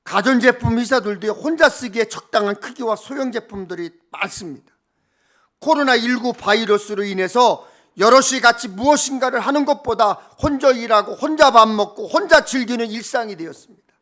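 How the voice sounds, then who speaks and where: Male pastor, middle-aged, very high-pitched and bright, sermon delivery that shifts from declaiming to conversational asides. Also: a little fast. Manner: rhetorical questions and repeated parallel phrases. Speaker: pastor preaching.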